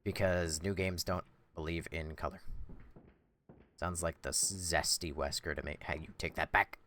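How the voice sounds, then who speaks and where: Deep, monotone male streamer. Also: moderate pace, slight background noise. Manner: monotone, dry, blunt, swears casually. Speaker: gameplay streamer. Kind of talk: casual gameplay commentary, answering chat.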